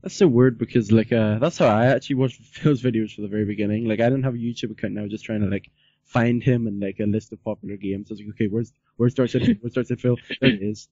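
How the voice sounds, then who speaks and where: A man's voice: on the low side, fairly even intonation, fast talker, mellow, dry recording, muffled recording. A man doing a casual podcast interview in a rambling, repetitive way, peppered with filler words. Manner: rambling, repeats himself, peppers talk with "like".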